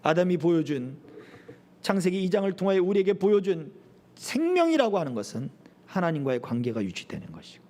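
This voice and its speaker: A middle-aged man preaching a sermon as pastor, animated, acting out quoted voices as he goes. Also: on the high side.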